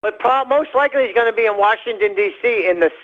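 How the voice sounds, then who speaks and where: A man calling in to a radio show, rambling in a halting way with many fillers and restarts. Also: high voice. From United States. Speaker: caller. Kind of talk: rambling call-in chat. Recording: dull lo-fi phone call.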